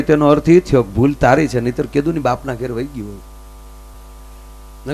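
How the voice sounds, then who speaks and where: A man performs stage comedy in a high, lively voice. He plays both sides of each story's dialogue. A faint electrical hum runs under the live mic. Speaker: folk comedian.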